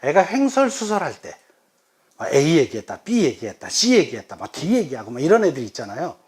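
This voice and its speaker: A man's voice: a little high, brisk. A middle-aged man, a pastor, giving a workshop lecture on coaching and often acting out example conversations. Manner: animated, acts out quoted voices of children and elders. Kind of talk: lively lecture with acted example dialogues.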